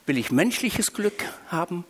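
A man from Switzerland, preaching a sermon with emphatic, drawn-out stressed phrases. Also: sits high, very animated. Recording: reverberant hall.

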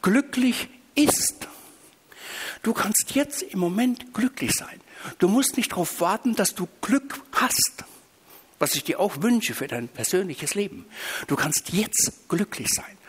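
A man from Switzerland, preaching a sermon with emphatic, drawn-out stressed phrases. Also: high-pitched, slightly rough. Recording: reverberant hall.

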